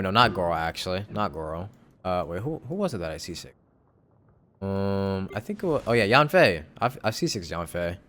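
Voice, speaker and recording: A man's voice: deep voice, fairly bright tone. A man chatting casually on a livestream as he plays a video game. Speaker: game streamer. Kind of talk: casual livestream chat while playing. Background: game music.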